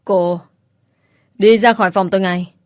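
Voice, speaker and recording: A woman voicing an angry, scolding old grandmother who rants shrilly and fast. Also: mid-range voice, steady tone, dry recording, studio quality, close to an everyday voice. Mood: furious.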